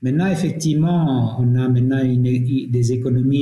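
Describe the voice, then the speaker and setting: A man speaks at a fairly slow pace, his voice somewhat breathy. His tone is dark and mellow, with fairly even intonation. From Mali. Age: 50s. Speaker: hotel group founder and CEO. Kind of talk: interview. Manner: halting.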